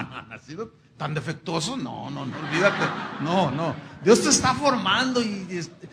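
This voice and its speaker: A middle-aged man preaches a sermon in a church, his voice pitched high with a gravelly edge. He talks to his congregation conversationally, tossing in rhetorical questions. A faint hiss sits under the recording. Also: fairly bright tone. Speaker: pastor.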